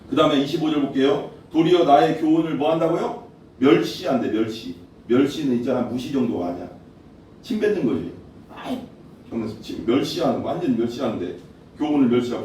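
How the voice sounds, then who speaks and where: A pastor delivers a sermon in a conversational way, posing questions to his congregation. His medium-pitched voice is mellow, with slight background noise. The church hall is echoey, and he sounds distant from the mic.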